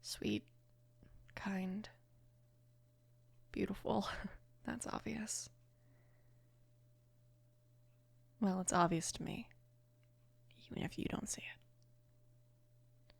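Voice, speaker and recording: A woman voicing a young mafia boss's daughter, gentle, protective and flustered, in a soft, hesitant near-whisper for an ASMR romance roleplay. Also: medium pitch, slow, creaky, pauses often, slightly rough, dry recording, full character voice. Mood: flustered, tender.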